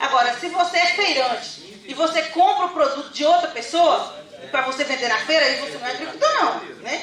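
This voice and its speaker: Speaking at a fairly quick pace, this voice comes over noticeable background noise. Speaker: rural social security advisor. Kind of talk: public talk with Q&A. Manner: fast.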